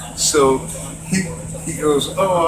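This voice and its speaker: Loud background noise runs under a man's voice. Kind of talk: casual storytelling chat. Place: bus. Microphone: phone near.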